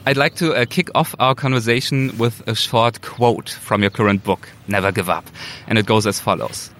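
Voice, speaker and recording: A man's voice: fairly low pitch, fairly even intonation, moderate pace, a bit bright. A man from Germany with a German accent, politely and casually interviewing a guest as podcast host.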